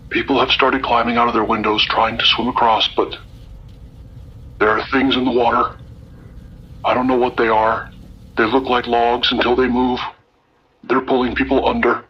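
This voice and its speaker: A man plays a shaken emergency broadcaster in a radio drama. His raspy, medium-pitched voice is grave and measured. It comes through a muffled radio. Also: level tone. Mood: grim, shaken.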